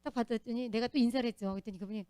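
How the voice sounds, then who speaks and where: Woman, church deacon, testimony, earnest and animated, dry close sound, rapid. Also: a little high, dry recording.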